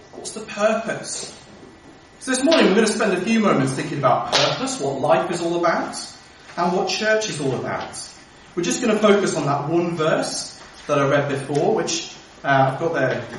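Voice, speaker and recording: A high-pitched man with an English accent, noticeable background noise and audible room echo. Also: lively intonation, moderate pace. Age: 30s. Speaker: pastor. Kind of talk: sermon.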